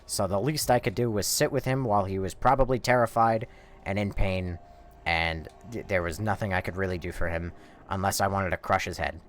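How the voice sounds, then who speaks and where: A man's voice: low-pitched, steady tone, a little fast, slight background noise. A man streaming a game, telling a story in a rambling, profane, casual way. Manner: rambling, profane, laid-back.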